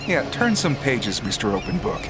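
A man's voice: mid-range voice, very animated, normal speed, background noise, lightly acted. An actor playing a cocky male adventurer in an audio drama, glib and sarcastic, full of joking banter. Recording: clear music and boat engine behind.

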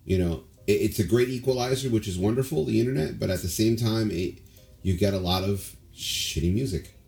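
Casting: lower-pitched male co-host, casual, rambling, opinionated. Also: brisk, vocal fry, a little mellow, faint music behind. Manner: rambling, opinionated, many fillers. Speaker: podcast co-host. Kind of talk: casual chat.

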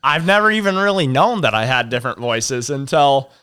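A young man chatting casually on a podcast, telling rambling stories in a relaxed way and laughing often. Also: mid-range voice, fairly quick, clear, resonant tone. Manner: rambling, laid-back storyteller, laughs a lot. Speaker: podcast co-host. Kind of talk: casual chat.

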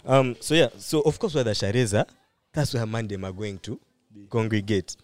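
A man's voice: fairly low pitch, expressive, normal speed. A man, chatting and telling stories casually as a podcast co-host in laddish London-influenced street slang. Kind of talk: casual chat, storytelling.

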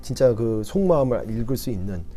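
A man's voice: medium pitch, fairly quick, soft background music. A man, speaking slightly in a hesitant, word-repeating conversational way as an interview guest. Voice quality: slightly non-native, hesitant Korean. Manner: hesitant, repeats words, animated when quoting. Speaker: guest, humanities professor of North Korean literature.

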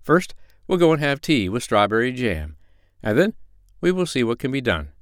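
A man voicing a kind, cheerful animal doctor in a storybook, speaking gently and reassuringly. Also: medium pitch, sing-song, moderate pace, dry recording, studio quality, close to an everyday voice.

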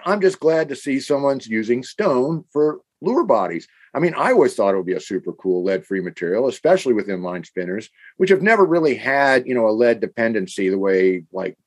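Enthusiastic Midwestern man host. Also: mid-range voice. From American Midwest. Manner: enthusiastic, animated. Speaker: podcast co-host. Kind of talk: casual scripted chat.

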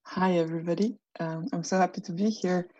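A woman from Serbia introducing herself as a guest, talking hesitantly with many pauses. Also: on the low side, steady tone, mellow, dry recording, highs cut off. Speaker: guest, international trainer. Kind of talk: casual self-introduction.

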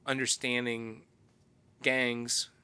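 Man, podcast co-host, bright tone, voice going hoarse, halting. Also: mid-range voice, little pitch movement. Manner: halting, emotional, full of restarts. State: losing his voice. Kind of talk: casual chat.

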